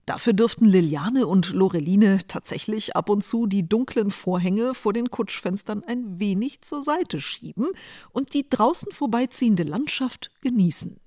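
A woman reading scripted storybook narration in a wry, expressive storytelling manner. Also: mid-range voice, normal speed.

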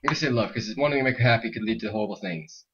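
A man's voice: mid-range voice, rapid-fire, gravelly, fairly bright tone, husky. A man hosting a casual gaming let's play, rambling with joking asides. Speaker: gaming video host. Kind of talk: casual let's play commentary with reading game text aloud. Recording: dull lo-fi mic with game music. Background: video game music.

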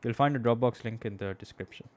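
A man's voice: medium pitch, quick pace, dry recording. A young man with a Pakistani accent gives an informal live-streamed maths lesson as the teacher, conversational and often checking in with his listeners. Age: young adult. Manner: conversational, checks in with "okay?", slips between English and Urdu. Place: small indoor room at a desk. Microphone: close microphone on a boom arm.

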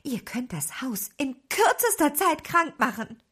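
An actress playing a small, feisty apple witch in a children's audio drama, husky and dramatic. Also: big pitch swings, a little slow, heavily acted. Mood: indignant. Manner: dramatic, shifting between hushed and shrill.

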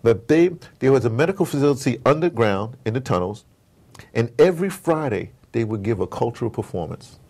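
A man's voice: medium pitch, lively intonation, a little fast, a little mellow. An American man telling rambling, opinionated stories in a casual interview, often digressing and acting out conversations. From United States. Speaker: interview guest, audio drama producer.

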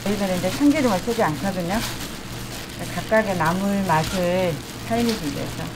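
A middle-aged woman talks through her cooking in a casual, friendly way while working at a restaurant kitchen counter. Her voice sits at an ordinary middle pitch. Kitchen noise carries clearly through the recording. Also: normal speed. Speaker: restaurant cook.

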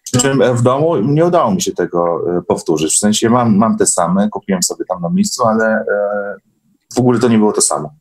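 Low-voiced man, halting casual recollection. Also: expressive, a little mellow. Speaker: guest sharing workshop experiences.

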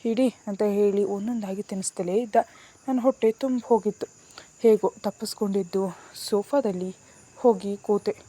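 Female storyteller with a warm, mellow voice; reads a romance and voices both lovers' lines. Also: medium pitch, steady tone, moderate pace. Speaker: narrator. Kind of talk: first-person story narration.

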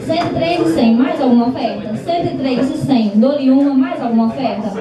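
High-pitched Brazilian woman auctioneer, very echoey. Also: fairly quick, a crowd in the background. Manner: repetitive chanting of figures and prompts. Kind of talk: live auction bid calling. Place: small crowded indoor meeting room. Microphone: distant handheld camera in audience. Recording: roomy far-off camera, audience noise.

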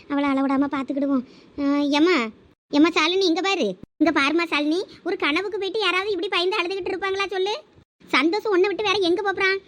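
A woman's voice: very high voice, fairly bright tone. A woman voicing a worried, caring mother-in-law in a village family skit. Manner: coaxing, reassuring.

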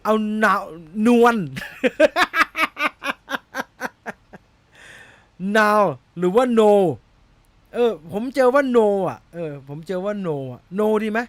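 A man's voice: sits high, animated, slow, dry recording. A young man hosting a casual film-news chat, rambling and laughing at himself as he fumbles over a name. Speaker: movie news host.

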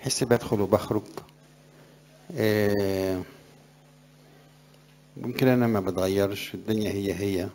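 A man's voice: fairly low pitch, steady tone, measured pace, long pauses, a little mellow. A middle-aged man, a priest with an Egyptian Arabic accent, giving a conversational sermon to young graduates and rising in emphasis on scripture verses.

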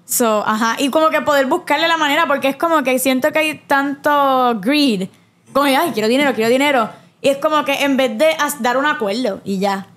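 Una joven de diecinueve años con acento puertorriqueño y la voz muy aguda. Habla en serio y con sinceridad en un podcast familiar, soltando palabras en inglés entre su español. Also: female voice, high voice, normal speed, a bit bright. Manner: earnest, mixes in English words. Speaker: podcast guest, host's daughter. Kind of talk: casual family podcast chat.

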